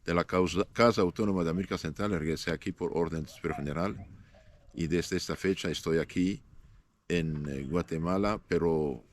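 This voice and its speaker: This priest, a man in his fifties from northern Syria whose mother tongue is Aramaic, responds to an interviewer in a low voice with a little hiss or hum on the recording. He speaks in a measured way, often stopping with "eh" and starting his sentences over.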